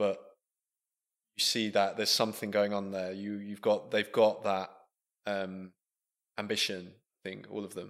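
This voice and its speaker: Speech with a southern English accent, delivered at a moderate pace in a flat monotone with large shifts in volume. Long pauses come often, and the recording is very clean with a silent background. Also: man, fairly low pitch for a man. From southern England, Buckinghamshire. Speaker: entrepreneur, digital marketing agency owner. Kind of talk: interview, casual chat.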